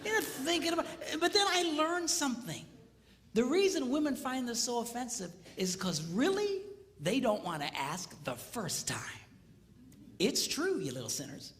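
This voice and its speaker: A pastor gives a humorous sermon, telling stories with lots of animation and acting out the people in them. His voice is bright and forceful, and his pitch swings widely. It rings out with a long hall reverb over faint background noise. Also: moderate pace. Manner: animated, acts out quoted voices.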